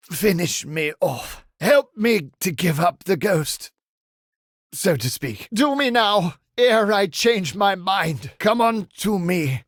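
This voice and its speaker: A pompous, bumbling medieval knight. The voice sits very high and leaps about theatrically. Every archaic phrase is drawn out and over-enunciated at an unhurried pace, in flamboyant video game style. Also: male voice, a bit bright, no room sound, studio quality, exaggerated voice.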